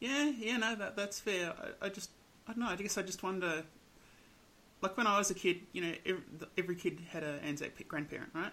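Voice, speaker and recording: With an Australian accent, a woman talks at a fairly quick pace and medium pitch, showing ordinary pitch variation and taking long, frequent pauses. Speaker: footy podcast host. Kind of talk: casual chat.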